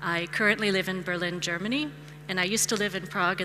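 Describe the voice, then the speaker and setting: Over noticeable background noise, a woman with an American accent speaks at a fairly low pitch with fairly even intonation. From United States. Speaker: tourism and marketing advisor. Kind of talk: conference talk.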